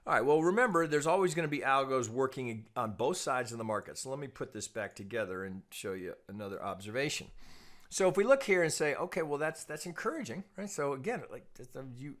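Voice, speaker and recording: A man giving an informal technical analysis lesson as a trading analyst, explaining in a measured, cautious way with repeated phrases and frequent check-ins. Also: mid-range voice, very animated, fairly bright tone. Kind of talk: informal technical analysis commentary over charts.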